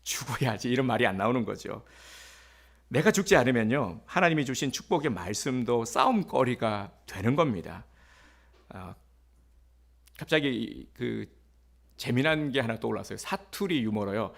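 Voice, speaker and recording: A man's voice: mid-range voice, expressive, moderate pace, gravelly, pauses often, fairly bright tone. A male pastor giving a sermon in a conversational way, with fillers, rhetorical questions and acted-out quotes.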